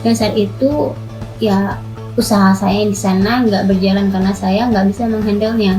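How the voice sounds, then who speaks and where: Casual young homemaker, faint music. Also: female voice, medium pitch, fairly even intonation, moderate pace, dark tone, poor audio. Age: 20s. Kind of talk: interview testimonial.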